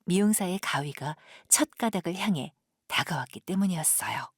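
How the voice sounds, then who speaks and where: Low, breathy woman storyteller. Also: expressive, moderate pace, no echo, studio quality. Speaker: narrator, professional voice actor. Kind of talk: scripted audio drama narration.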